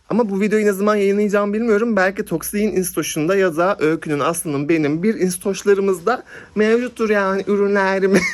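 Giggly chatty young man vlogging. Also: sits high. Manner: giggly, chatty, laughs often. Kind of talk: casual vlog chat to camera. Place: office. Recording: noisy background.

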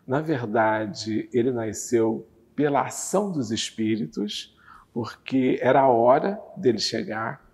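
A man in his fifties, a guest on a TV interview, calmly explaining a religious doctrine with lively hand gestures, on a lapel mic in a curtained studio. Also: mid-range voice, takes it slowly, husky, in a large hall. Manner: animated, gestures with both hands while talking. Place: TV studio with red curtain backdrop.

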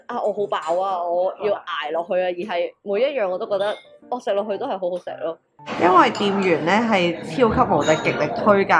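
A young woman with a Hong Kong Cantonese accent, narrating a travel vlog in a chatty, excitable way and exclaiming over food. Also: mid-range voice. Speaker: travel vlogger. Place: restaurant table, indoors. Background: background music.

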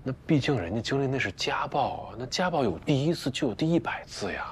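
An actor playing a hospitable husband who talks in a coaxing, reassuring, chatty way. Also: male voice, medium pitch, very animated, fast talker, a little hiss or hum, natural voice. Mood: placating. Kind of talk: TV drama acting.

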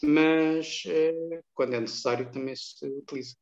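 A man's voice: fairly high pitch, fairly even intonation, normal speed, darkish tone. Older man from Angola, chatty storyteller. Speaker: guest. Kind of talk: casual interview chat, telling anecdotes. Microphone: webcam on a video call. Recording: dull, lo-fi video call audio.

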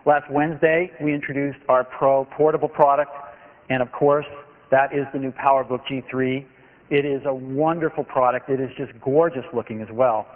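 A man's voice: medium pitch, steady tone, moderate pace. Man, 40s, keynote presenter, emphatic, large hall, phone-like lo-fi audio. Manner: enthusiastic, emphatic salesmanship. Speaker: company executive giving a keynote. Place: large conference hall stage. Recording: tinny lo-fi archive recording of a hall.

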